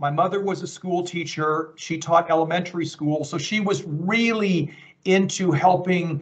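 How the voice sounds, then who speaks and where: Speaking with a North American accent, a man uses a high pitch and fairly even intonation at a moderate pace. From US Midwest, Iowa (near Des Moines). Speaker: leadership development consultant. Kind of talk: interview.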